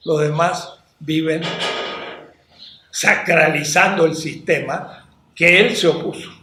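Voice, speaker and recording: Older male philosophy lecturer, slightly high voice, very slow delivery, roomy hall sound. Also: bright, forceful tone, slight background noise. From Latin America. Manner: slow, deliberate, with rhetorical questions to the class. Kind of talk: university lecture.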